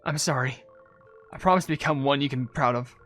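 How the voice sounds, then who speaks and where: A woman's voice: a bass voice, fast talker, faint music behind. A woman voicing a guilty, self-blaming young female oracle in a game cutscene, speaking in a subdued, earnest way. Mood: apologetic, resolved. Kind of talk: video game cutscene voice acting.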